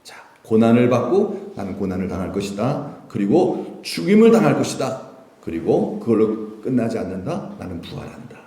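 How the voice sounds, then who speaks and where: Man, pastor, preaching a sermon, rhetorical questions, mellow tone, echoey church. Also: fairly low pitch, moderate pace. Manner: animated, full of rhetorical questions to the congregation. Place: church sanctuary. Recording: roomy church echo.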